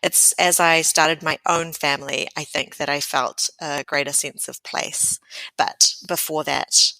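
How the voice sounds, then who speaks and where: A woman's voice: low-pitched, fairly even intonation, a little slow, pushed and bright, no room sound, poor audio. A middle-aged woman with a New Zealand accent, a sex therapist speaking frankly and at length as a podcast guest. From born in the Philippines, raised around the world. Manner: frank, thoughtful, explains at length. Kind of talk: podcast interview.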